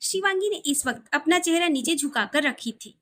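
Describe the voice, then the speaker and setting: A woman with a high voice narrates romantic fiction. She reads from a script as a storyteller. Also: lively intonation, normal speed, a bit bright.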